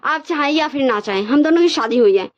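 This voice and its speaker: A woman's voice: sits high, expressive, quick pace, pitched above the performer's own voice. A woman voicing a timid young married man who stammers and pleads, tearful and scared, in a dull lo-fi recording. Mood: firm angry.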